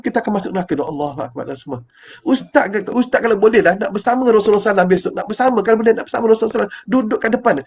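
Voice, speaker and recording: With a high, slightly mellow voice that has a breathy edge, an older Malaysian preacher with a Malay accent rambles emotionally through a live-streamed religious talk. He keeps repeating himself and calls himself by his title in the third person, and the audio sounds dull.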